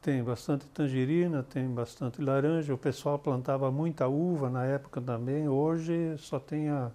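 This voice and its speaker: Mellow older southern Brazilian man. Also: mid-range voice, fairly even intonation, unhurried. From Santa Catarina, southern Brazil. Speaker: interview guest, retired army colonel. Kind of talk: conversational recollection.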